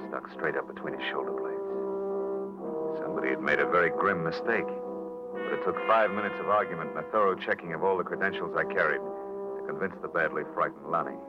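A man playing a tough, wry private detective who narrates and talks in clipped, wisecracking lines in a 1940s-style radio drama. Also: rumbling low. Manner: clipped, wisecracking, hard-boiled delivery. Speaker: lead actor and narrator. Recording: dull old radio broadcast recording with music.

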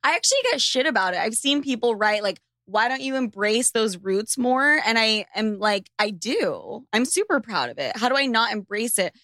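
A woman with a bright, slightly high Valley girl voice, hosting a podcast. Spanish was her first language, and she swears freely and laughs a lot as she chats. The sound is dry and close, like a studio mic. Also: animated, moderate pace, hardly any pauses, no room sound. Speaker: podcast host. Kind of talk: casual chat.

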